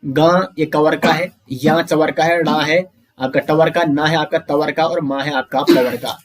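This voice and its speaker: A man with a somewhat high voice teaches an online grammar lesson. He works through the material step by step, asks questions and answers them himself, and calls the listeners his friends. When drilling pronunciation, he says each sound out slowly. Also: steady tone. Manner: often addresses listeners as friends.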